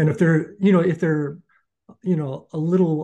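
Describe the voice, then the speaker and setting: Against a quiet background, the voice has a dark, mellow tone and sounds somewhat breathy. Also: man. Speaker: founder and university band director. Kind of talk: casual interview chat. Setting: video call.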